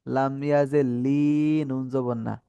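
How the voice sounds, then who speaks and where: Patient man spelling out recitation slowly. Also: mid-range voice, level tone, gravelly, mellow, clean tone, no echo, lo-fi sound. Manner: asks the class questions and has them repeat. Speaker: Quran reading teacher. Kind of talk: Quran recitation lesson.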